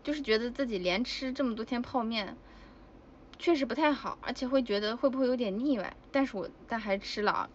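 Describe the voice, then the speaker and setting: Woman, high voice, livestream chat with fans, giggly, exclamatory, dull lo-fi phone audio. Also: brisk, slight background noise. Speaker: idol livestreamer.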